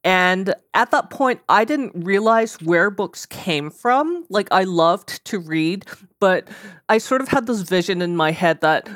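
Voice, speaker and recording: A woman's voice: fairly low pitch, animated, measured pace, fairly bright tone, no room sound, clean studio sound. A woman author whose first language is Korean, chatting casually as an interview guest, self-deprecating and full of fillers. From South Korea.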